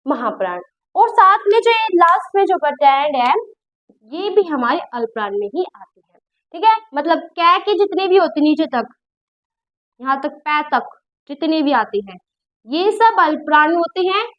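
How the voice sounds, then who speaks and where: A woman's voice: high-pitched, big pitch swings, normal speed, dull audio. A young woman teaching a grammar lesson, explaining step by step, often asking the listener questions and correcting herself as she goes. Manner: explanatory, repeats and checks understanding, corrects herself. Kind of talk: spoken Hindi grammar lesson.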